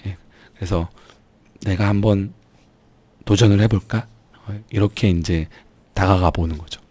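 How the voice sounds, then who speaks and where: A man's voice: low voice, fairly even intonation, measured pace, warm tone, no room sound. A man with a strained, sore throat speaking earnestly and emphatically to viewers in a motivational vlog, urging them on as an online business YouTuber.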